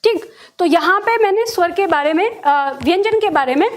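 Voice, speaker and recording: A woman's voice: very high voice, expressive, moderate pace. An Indian woman teaching a lesson in a patient, step-by-step way, often checking that her students follow. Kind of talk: classroom lesson.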